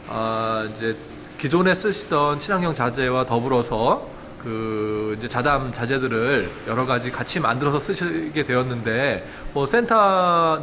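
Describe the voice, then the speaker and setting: A man conducting an on-site interview, asking halting, rambling questions in an indoor farm facility. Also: medium pitch, a bit bright. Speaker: interviewer visiting an organic farming cooperative. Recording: roomy echo, faint background noise.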